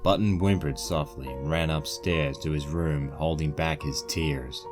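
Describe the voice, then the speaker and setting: Guy narrating a story, really deep voice, bit of music under it. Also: steady tone, measured pace. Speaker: narrator of a fan fiction reading.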